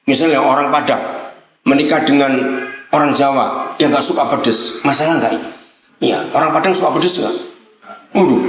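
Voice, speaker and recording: A man preaching a sermon, blunt and animated, firing rhetorical questions at his listeners. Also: high voice. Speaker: pastor. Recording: very echoey hall.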